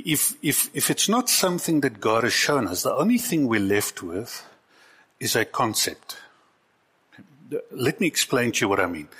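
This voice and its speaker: Man, pastor, conversational sermon, animated pitch. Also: slightly rough. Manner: conversational preaching, shifts into acted quotes.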